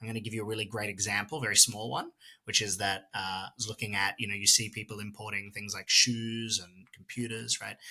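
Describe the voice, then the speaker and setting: The man speaks at a fairly quick pace with an Australian accent and a fairly low pitch. His tone is bright and sharp, his intonation monotone and flat. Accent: non-American, Australian. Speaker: tech startup founder and CEO. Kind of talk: podcast interview.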